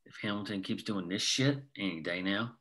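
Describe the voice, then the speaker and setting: A man reading the part of a fed-up worker planning a strike, bitter, low and firm. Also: normal speed, a bit bright, close to an everyday voice. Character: angry mine worker plotting a strike. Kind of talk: script table read.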